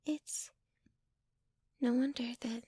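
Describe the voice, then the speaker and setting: Breathy, high-pitched sweet girlfriend played by a woman. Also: fairly even intonation, no room sound, studio quality, exaggerated voice. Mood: tender, bashful. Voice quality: soft, breathy, often near whisper. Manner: bashful, giggly, halting, gushing. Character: sweet, shy, giggly, obsessively devoted young girlfriend. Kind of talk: ASMR girlfriend roleplay audio. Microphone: close microphone, dry sound.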